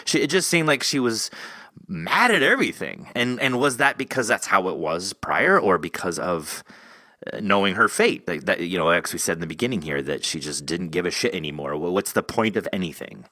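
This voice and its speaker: Bright-voiced man hosting a casual podcast. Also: low-pitched, lively intonation, brisk, no echo, studio quality. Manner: conversational, rambling, thinking aloud. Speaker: podcast host. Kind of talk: casual interview chat.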